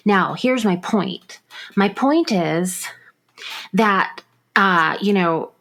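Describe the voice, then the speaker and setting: A woman's voice: mid-range voice, expressive, drawn-out words, fairly bright tone. A woman co-hosting a true crime podcast, laying out her argument step by step with plenty of fillers in casual discussion. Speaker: podcast co-host.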